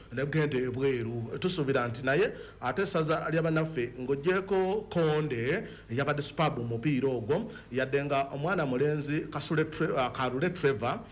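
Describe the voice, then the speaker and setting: A man with a Ugandan accent presenting a football discussion, mixing English words and phrases into his speech. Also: mid-range voice. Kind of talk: sports discussion.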